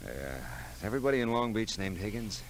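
A man's voice: fairly low pitch, very animated, a little fast, a little hiss or hum. A man playing a world-weary private eye, wry and laconic, in a 1940s radio noir drama. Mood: groggy, dry. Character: hard-boiled, world-weary male private eye narrating his case. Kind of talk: 1940s radio noir acting, first-person narration. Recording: old radio drama recording with music.

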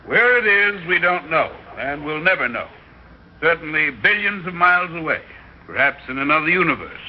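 A man's voice: a little high, animated, normal speed, close to an everyday voice. A man playing an assured professor. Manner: assured, explanatory. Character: confident male professor explaining a discovery. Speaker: scientist. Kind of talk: vintage radio drama. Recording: dull old radio recording with faint noise.

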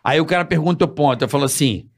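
A man in casual chat, self-mocking and halting, laughing easily. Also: a little high, gravelly. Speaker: podcast guest.

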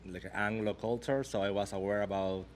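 A man from Rico, a bass player chatting in an interview in an easygoing way with many pauses and fillers. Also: steady tone, slight background noise. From Puerto Rico. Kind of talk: casual interview chat.

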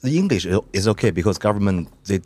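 Very slow, halting Chinese man, lowish voice. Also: lively intonation, a little mellow. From China. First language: Mandarin Chinese. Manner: halting, hesitant, simple sentences. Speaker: podcast guest. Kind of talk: casual chat.

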